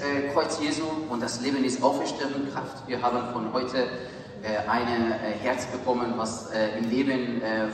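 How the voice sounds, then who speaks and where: Guy in his 30s preaching, halting and earnest, sounds far off in a big echoey church. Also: mid-range voice. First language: Farsi. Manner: halting, searching for words, earnest. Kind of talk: sermon. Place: large church hall. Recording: echoey church hall from far off, faint hiss.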